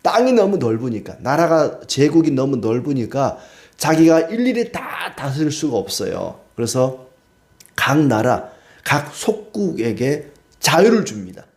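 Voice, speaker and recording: A middle-aged man preaching a Bible exposition sermon, dramatically acting out quoted speech and tossing in rhetorical questions. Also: measured pace. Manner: dramatic, voices God and Israel in quoted speech; rhetorical tag questions, animated swings in pitch and loudness.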